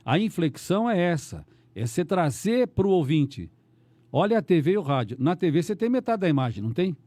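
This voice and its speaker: A middle-aged Brazilian man, a radio announcer, chatting on a podcast in a rambling, animated way with many restarts. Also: fairly high pitch, brisk, dry recording. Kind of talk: casual podcast conversation.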